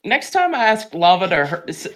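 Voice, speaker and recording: A woman's voice: medium pitch, big pitch swings, normal speed. A woman playing in a tabletop game, congested from crying and joking crudely. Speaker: player. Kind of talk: casual tabletop role-play.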